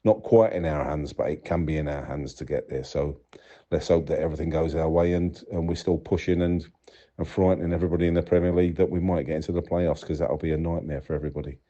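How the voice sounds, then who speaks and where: A man's voice: very deep voice, fairly even intonation, fast, warm tone. A man giving casual football match reaction as a fan, talking conversationally and peppering it with "you know". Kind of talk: casual spoken match analysis. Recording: dull, lo-fi voicemail recording.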